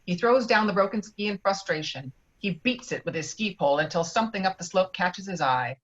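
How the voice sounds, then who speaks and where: A woman's voice: lowish voice, animated, brisk. A woman reading screenplay stage directions as scripted narration, heard through slightly dull online audio.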